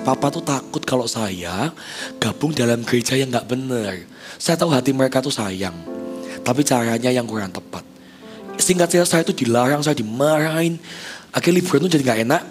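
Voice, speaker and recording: A man's voice: mid-range voice, brisk, music in the background. A man in his thirties, a pastor telling a personal story in a sermon, talking casually to the congregation and acting out quoted dialogue. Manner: conversational, addresses congregation, acts out quoted dialogue. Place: church stage.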